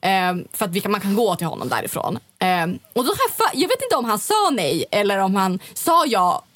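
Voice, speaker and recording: A young woman from telling a funny night-out story in casual chat, full of quoted voices and sudden high pitch jumps. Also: dry recording. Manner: animated retelling, jumps up in pitch when quoting people.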